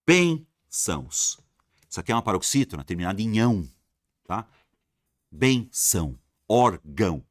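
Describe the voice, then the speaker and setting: A man's voice: on the low side, very animated, a little slow, pauses often, dry recording, clean studio sound. A man teaching an exam-prep grammar lesson, repeating rules emphatically and answering imagined student questions.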